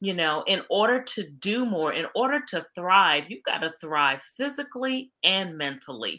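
The voice has a bright, sharp tone and lively intonation. The recording is very clean, with a silent background. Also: woman. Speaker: motivational speaker and coach. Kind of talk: interview conversation.

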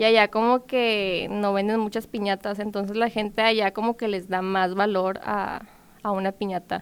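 Against a silent background in a very clean recording, a woman at medium pitch speaks at a moderate pace with monotone, flat intonation. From northern Mexico, Piedras Negras, Coahuila. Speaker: piñata maker and small business owner. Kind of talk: casual interview.

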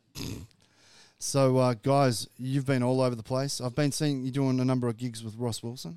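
With an Australian accent, a man speaks at a medium pitch and a moderate pace in a dark, mellow tone on a very clean recording with a silent background. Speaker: podcast host. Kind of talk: casual chat. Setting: studio with live audience. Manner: animated.

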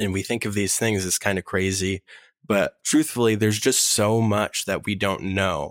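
Speaking with an upstate New York accent, a man with a fairly low-pitched voice keeps a moderate pace and fairly even intonation. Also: very clean recording, silent background. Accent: upstate New York American. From US Northeast, Adirondacks, upstate New York. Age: 20s. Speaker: mushroom forager and business owner. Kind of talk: interview conversation.

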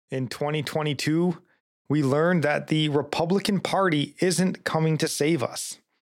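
A man with an American accent speaks at a moderate pace in a normal speaking voice, his fairly high pitch carrying fairly even intonation. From Michigan. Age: 30s. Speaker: podcast host. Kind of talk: casual chat.

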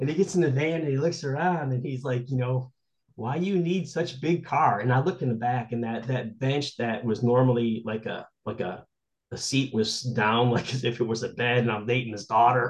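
A somewhat breathy man with an American accent speaks at a medium pitch and moderate pace, with ordinary pitch variation. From Chicago, South Side. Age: 50s. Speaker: podcast guest, former coworker of the hosts. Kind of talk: casual chat.

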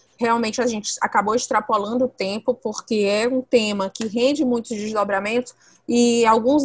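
This woman's voice sits at a fairly high pitch and is somewhat breathy. She keeps a moderate pace with fairly even intonation. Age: 40s. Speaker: podcast host. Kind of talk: casual chat.

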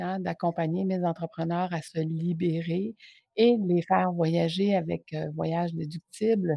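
A woman's fairly low-pitched voice in a Quebec accent, at a very slow pace with fairly even intonation. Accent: Québécois. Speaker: podcast host and business coach. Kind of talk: promotional pitch; casual interview chat.

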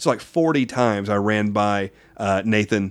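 A man speaks with an Oklahoma accent in a very clean recording with a silent background. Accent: Oklahoma twang. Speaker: podcast host. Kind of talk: casual interview conversation.

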